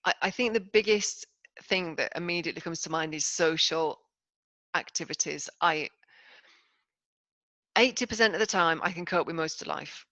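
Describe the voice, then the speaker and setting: A woman's voice: lowish voice, moderate pace, pauses often, sharp tone, no echo, lo-fi sound. A woman speaking as a podcast guest, candid, emphatic and self-deprecating in casual conversation. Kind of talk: candid casual interview talk.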